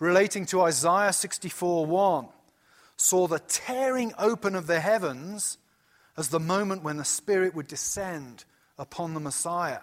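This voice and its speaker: A man speaks at a moderate pace in a high pitch with a British accent. The recording is very clean, with a silent background. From Britain. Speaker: seminary academic dean and preacher. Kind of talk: lecture. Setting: church with audience.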